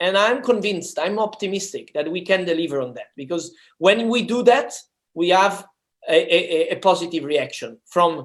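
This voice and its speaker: At a moderate pace, a man with an Italian accent and a high pitch speaks with lively intonation. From Italy. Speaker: politician. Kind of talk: panel discussion. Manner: halting.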